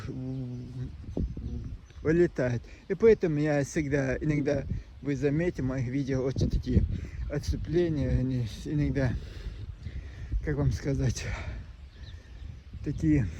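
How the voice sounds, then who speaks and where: A man talking to his phone camera outdoors at a seaside resort, in a language that is not his first. His speech is halting, full of restarts and side tracks, and his pitch sits in an ordinary middle range. Clear noise from the shore runs under his voice. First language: not Russian. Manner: halting, many restarts and digressions. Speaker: vlogger. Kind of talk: rambling outdoor vlog monologue. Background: noise of the sea shore.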